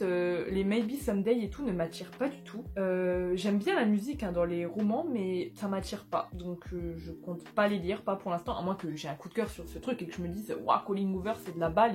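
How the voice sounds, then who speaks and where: A woman's voice: mid-range voice, darkish tone. A young woman with a French accent, chatting casually about her new books with many fillers and bits of slang. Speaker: book vlogger. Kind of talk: casual book haul chat.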